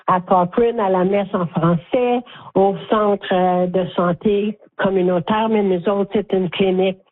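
An older woman with a Franco-Ontarian French accent, talking as a guest in a phone interview, animated and chatty, often checking in with "ok?". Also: mid-range voice. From Northern Ontario, Canada. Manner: warm, animated storytelling with frequent "ok?". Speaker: guest, community volunteer. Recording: tinny phone line.

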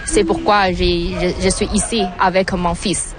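Slow-speaking woman with a Mandarin accent. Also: lowish voice, flat delivery, music in the background. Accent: Mandarin Chinese. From China. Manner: halting learner's speech. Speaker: interviewee.

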